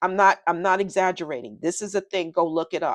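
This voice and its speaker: A woman's fairly low voice in a New York accent, with ordinary pitch variation, over a quiet background. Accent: New York accent, drawn out. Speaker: video host, proofreader. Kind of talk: casual solo video talk with book readings. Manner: animated.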